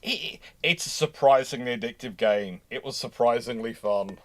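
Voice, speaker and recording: A man hosting a live history stream in casual chat, with a halting, rambling way of talking that often repeats words. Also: mid-range voice. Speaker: host of a live history question show; history lecturer.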